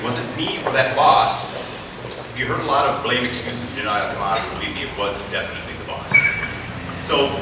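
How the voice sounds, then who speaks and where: A man giving a public talk and reading from his own book to a live audience, addressing listeners directly as an author and host. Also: on the low side. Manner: rhetorical questions to listeners. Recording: very echoey, noisy room from far off.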